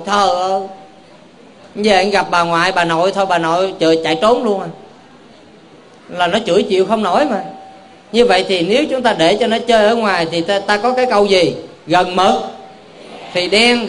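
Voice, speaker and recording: A man's voice: sits high, slight background noise. A male Buddhist monk gives a folksy, joking dharma talk, constantly tossing questions back to a live audience in a temple hall. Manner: keeps quizzing the audience with call-and-response questions; homely, joking, folksy preaching.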